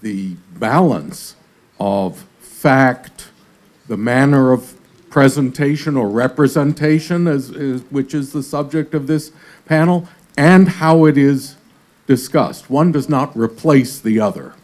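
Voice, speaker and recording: A male panelist answers slowly and deliberately. He weighs each phrase with care, speaking in a conference hall. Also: mid-range voice, darkish tone. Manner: measured, deliberate. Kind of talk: panel discussion reply.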